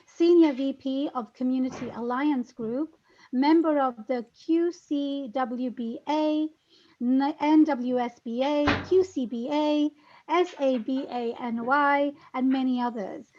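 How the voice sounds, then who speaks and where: High, enthusiastic woman host, muffled. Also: steady tone, a little slow, mellow, a little hiss or hum. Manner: enthusiastic, effusive. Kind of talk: reading an introduction, then asking questions. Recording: muffled lo-fi audio.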